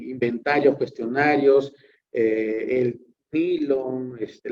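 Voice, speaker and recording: A man's voice: medium pitch, darkish tone. Chatty lecturing man, dull lo-fi sound. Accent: Peruvian Spanish. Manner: chatty, digressive, acts out patient and therapist dialogue. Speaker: psychology lecturer. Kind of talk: classroom lecture.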